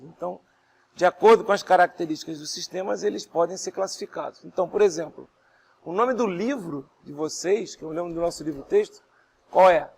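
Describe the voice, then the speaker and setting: A hoarse male lecturer teaching a class. He goes step by step, asks his students questions, and speaks softly with pauses for breath. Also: fairly high pitch, slight background noise. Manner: speaks softly and not fast, pausing to breathe. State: hoarse, voice strained after illness. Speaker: university lecturer.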